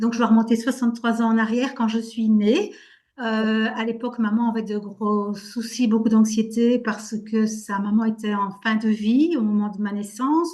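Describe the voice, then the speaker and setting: Fairly high pitch and fairly even intonation in a woman's somewhat breathy voice. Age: 60s. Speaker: care assistant giving a testimonial. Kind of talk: testimony.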